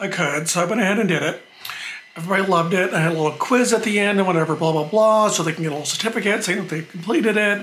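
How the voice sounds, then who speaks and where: Against noticeable background noise, a man talks at a very fast pace and a high pitch, with ordinary pitch variation. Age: 40s. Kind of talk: casual vlog talk to camera.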